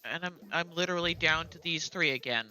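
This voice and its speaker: A woman's voice: sits low, brisk, sharp tone, low-quality recording. A middle-aged woman with a general American accent, chatting casually and rambling with lots of asides while playing a game. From United States. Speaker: gaming streamer.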